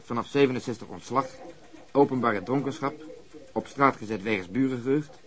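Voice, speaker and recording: A man's voice: mid-range voice, fairly quick, fairly bright tone, close to an everyday voice. A man acting in a radio drama as a brusque, sardonic police detective with a matter-of-fact delivery. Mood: sardonic, disgusted. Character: brusque, cynical, sarcastic male police detective.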